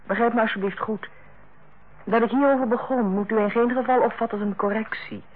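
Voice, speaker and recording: An actress playing a tactful, composed middle-aged hospital director in a Dutch radio play, speaking in a measured, formal way. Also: female voice, a little high, fairly even intonation, slightly rough. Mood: careful, tactful. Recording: tinny, narrow-band old radio recording.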